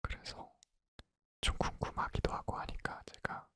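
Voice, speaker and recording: A man in his twenties whispering a personal story in a soft, intimate, conversational ASMR style. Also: unhurried. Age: 20s. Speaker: ASMR creator.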